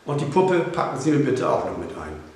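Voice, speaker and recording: A man doing a brisk, dismissive mother. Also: mid-range voice, sing-song, darkish tone, natural voice. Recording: echoey room, faint hiss.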